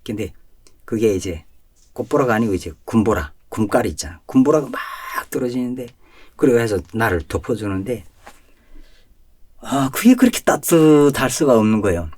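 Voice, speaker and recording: A man, a pastor, telling his personal testimony in an animated storytelling way, chuckling often and swinging between loud and soft. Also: mid-range voice, moderate pace. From North Korea.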